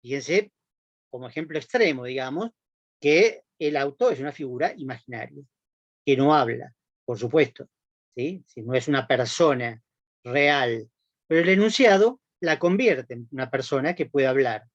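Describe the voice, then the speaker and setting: A man's voice: mid-range voice, animated, normal speed, no room sound, dull audio. A man with a Rioplatense accent giving a recorded university class, explaining step by step and often checking in with his students. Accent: Rioplatense Spanish. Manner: explanatory, frequent checking tags "¿no?" and "¿sí?". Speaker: university lecturer.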